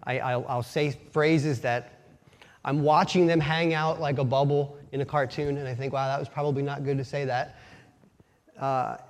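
With a light Pennsylvania Dutch accent, this Pennsylvania lay preacher delivers a relaxed, homespun sermon, telling personal stories, joking at his own expense and frequently restarting sentences. He speaks at medium pitch and a moderate pace with fairly even intonation. Long reverb from the church sanctuary fills the recording.

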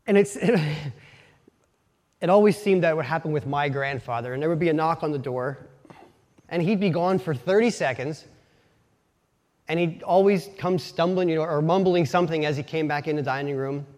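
A man's voice: fairly high pitch, moderate pace, darkish tone. A man from Pennsylvania with a light Pennsylvania Dutch accent, giving a casual, folksy sermon full of personal stories and self-deprecating asides, often restarting his sentences. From Pennsylvania, USA. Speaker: lay preacher. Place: church sanctuary. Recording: long church reverb.

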